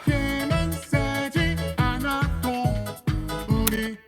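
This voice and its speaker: A man's voice: extremely high pitch, voice pushed up, full character voice. A man voicing a grown-up adult version of the mascot Kikko in a formant-shifted jingle. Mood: cheerful. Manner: drawn-out sung jingle. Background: guitar backing music.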